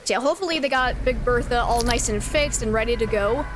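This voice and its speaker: On the high side and fast, this woman's voice plays over background noise as she streams a video game. She chats with viewers in a loose, friendly way, laughing often and reading their messages aloud.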